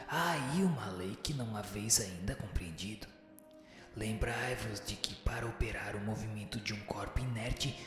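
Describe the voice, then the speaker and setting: Solemn male spirit teacher played by a man, radio drama, formal and measured, in long cavernous reverb over music. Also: mid-range voice, fairly bright tone. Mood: solemn, instructive. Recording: reverberant echoing hall, music underneath.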